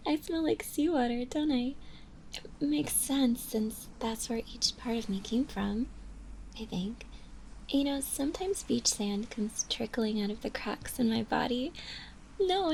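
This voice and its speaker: A shy, insecure zombie girl, played by a woman for an ASMR roleplay, speaks in a high, soft, breathy near-whisper. Her delivery is slow, gentle and halting, full of bashful hesitation, with clear ambient noise behind her. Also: poor audio.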